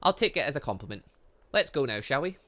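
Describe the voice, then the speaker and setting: A man voicing a refined young heiress in a visual novel, reading her formal lines in a measured, slightly halting way. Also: mid-range voice, big pitch swings, pushed and bright. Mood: composed. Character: refined, prim young heiress, earnest about her passion.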